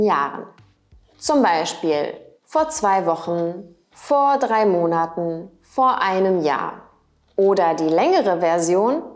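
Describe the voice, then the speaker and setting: Slow, careful woman teaching. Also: medium pitch. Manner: careful, repeats example sentences slowly. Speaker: German teacher. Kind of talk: slow, clearly spoken language lesson.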